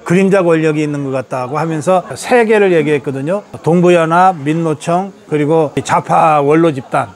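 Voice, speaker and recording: Older guy in his 60s doing politics commentary, pretty high voice, emphatic, talks like he's giving a lecture with chatty asides. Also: moderate pace, hardly any pauses. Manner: emphatic, rhetorical, colloquial asides. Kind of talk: political lecture, answering audience questions.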